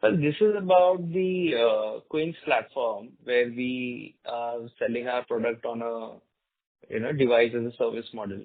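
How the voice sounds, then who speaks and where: A man's voice: mid-range voice, measured pace, dry recording. Male executive on a tinny phone line. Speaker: company executive answering analyst questions. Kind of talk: earnings call answers. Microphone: conference phone call.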